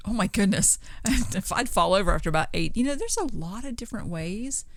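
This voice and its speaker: A woman's voice: medium pitch, big pitch swings, a little fast, no room sound, studio quality. A woman co-hosting a podcast in casual chat, reacting in a giggly, self-deprecating way. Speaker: podcast co-host.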